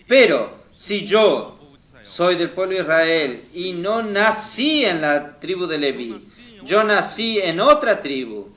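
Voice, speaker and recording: A man's voice: high voice, sharp tone. The man you'd hear at a youth Bible meeting, spelling out scripture very unhurriedly and quizzing his listeners, his words echoing round the room. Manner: didactic, often posing questions to listeners. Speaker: preacher. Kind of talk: teaching sermon to teenagers. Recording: roomy, echoing sound.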